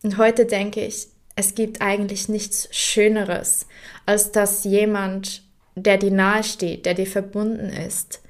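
Soft-spoken young woman, heartfelt monologue. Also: medium pitch, flat delivery, takes it slowly. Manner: heartfelt, speaking directly to a late grandfather; soft and reflective, sometimes dropping to a near whisper. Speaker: podcast host. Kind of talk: unscripted personal monologue.

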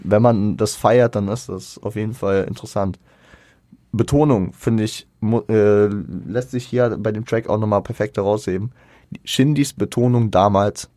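A man with a lowish, mellow voice talks through a music review in a relaxed, casual way. He keeps restarting his sentences and filling pauses, dropping slang as he goes. The sound is dry and close. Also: no echo. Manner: hesitant, many fillers and restarts; colloquial slang. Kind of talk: casual spoken album review.

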